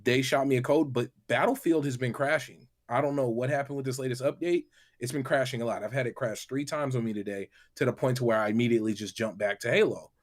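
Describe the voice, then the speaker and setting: A man's voice: medium pitch, fast talker, few pauses. A man talking casually and giving his opinions as a panelist on a gaming show.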